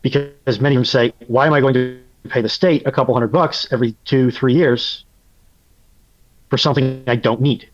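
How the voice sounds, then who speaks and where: A man's voice: mid-range voice, fairly even intonation, moderate pace, muffled recording. A man chatting as a live-stream panelist, explaining emphatically and with some incredulity through a phone mic on an online call. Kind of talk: casual explanatory chat. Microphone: phone mic on a Discord call.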